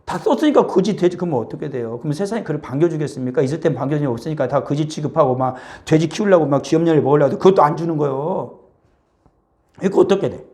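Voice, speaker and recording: A male pastor preaching a sermon in church, animated, acting out little dialogues between a father and his child. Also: on the high side. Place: church sanctuary.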